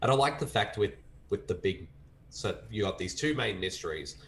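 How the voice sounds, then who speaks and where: A man's voice: lowish voice, animated, moderate pace, a bit bright, slight background noise. An Australian man chatting casually as a film reviewer, enthusiastic and rambling, with lots of filler words.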